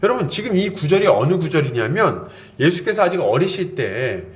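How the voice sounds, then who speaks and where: A man's voice: fairly high pitch, big pitch swings, moderate pace, reverberant. A man preaching a sermon as a pastor, earnest and admonishing, acting out quoted lines from parents and children. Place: church sanctuary.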